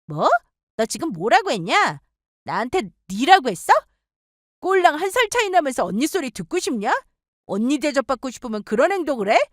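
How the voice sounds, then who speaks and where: A woman voicing a greedy young sister-in-law who whines and shouts. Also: high voice, big pitch swings, a little fast, dry recording, studio quality, pitched above the performer's own voice. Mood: furious. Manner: whiny, shouting.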